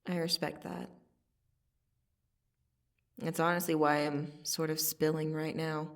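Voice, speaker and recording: A woman playing a cocky, teasing vampire assassin in an ASMR roleplay, casually menacing, with a sardonic delivery and long pauses. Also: low voice, little pitch movement, vocal fry, far from the mic, exaggerated voice. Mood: teasing, matter-of-fact. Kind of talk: ASMR roleplay monologue to the listener.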